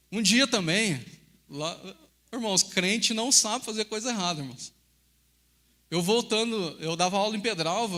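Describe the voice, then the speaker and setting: Male pastor, Brazilian Portuguese accent, middle-aged, high bright voice, animated storytelling sermon. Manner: animated storytelling, addressing the congregation as brothers. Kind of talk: sermon with personal stories.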